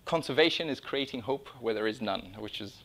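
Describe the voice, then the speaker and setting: A middle-aged man presents to a room in an informal, conversational way. His voice sits at a medium pitch, and he often breaks off and rephrases as he explains his work. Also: animated, brisk, a bit bright. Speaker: speaker presenting his own drone project. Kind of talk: informal conference-style talk with slides. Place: indoor meeting room or small lecture room.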